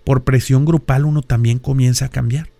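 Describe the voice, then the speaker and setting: A man's voice: mid-range voice, fairly even intonation, normal speed, gravelly, mellow, no echo. A middle-aged man from Mexico with a northern Mexican accent hosts a podcast, explaining ideas in a lecturing way and often throwing in rhetorical questions. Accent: Mexican (northern, Monterrey). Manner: lecturing, peppered with rhetorical questions and tag "¿verdad?". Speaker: podcast host.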